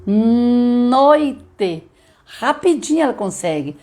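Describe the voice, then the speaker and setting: A woman's voice: on the high side, very animated, extremely slow, darkish tone. Woman teacher, middle-aged, live-stream lesson with sound demonstrations and frequent check-ins. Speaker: literacy teacher.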